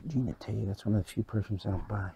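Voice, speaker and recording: A woman's voice: rumbling low, fast. A woman vlogging as she browses an estate sale in a house, filmed on a handheld phone, chatting with sellers and muttering asides to herself. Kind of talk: casual handheld shopping commentary. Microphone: handheld phone camera. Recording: noisy handheld phone audio.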